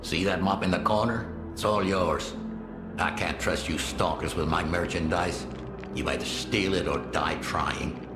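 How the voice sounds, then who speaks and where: An actor voicing a gruff, suspicious black-market trader in a video game, sardonic and curt. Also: male voice, low-pitched, steady tone, a little slow. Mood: dismissive. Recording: roomy echo, music behind.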